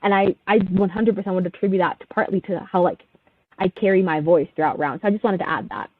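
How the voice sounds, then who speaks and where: A woman's voice: lowish voice, fast talker. Young woman on tinny call audio. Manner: reflective, lots of fillers. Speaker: panelist. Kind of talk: casual panel discussion.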